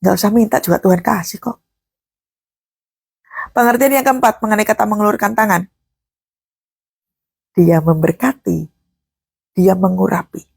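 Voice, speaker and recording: A woman's voice: medium pitch, moderate pace, gravelly, long pauses, a little mellow, husky, no room sound. A woman preacher giving a sermon in a conversational, folksy way, moving between teaching and fervent prayer.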